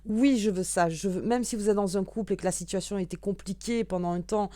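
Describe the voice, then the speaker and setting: This tarot reader speaks briskly in a dark-toned, mid-range voice, chatting casually while she shuffles and draws, thinking aloud and restarting with plenty of fillers; the audio is dry.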